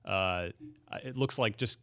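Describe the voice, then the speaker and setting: A man's voice: fairly low pitch, slow, vocal fry, bright, forceful tone. A man hosting a conversational gaming show, talking in a chatty, opinionated way. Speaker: podcast host.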